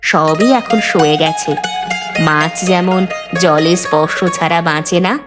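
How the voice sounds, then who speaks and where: A woman playing a gentle, resigned river gypsy mother in a cartoon, speaking earnestly and plaintively. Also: sits low, steady tone, unhurried, loud music behind the voice. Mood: gentle, contented. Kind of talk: cartoon dialogue acting.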